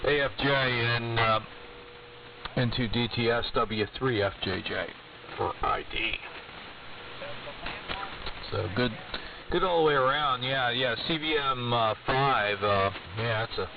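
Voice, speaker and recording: Noisy shortwave transmission, dull distant sound, male radio amateur, casual chat, halting, thinking aloud. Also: mid-range voice. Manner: hesitant, rambling, thinking aloud.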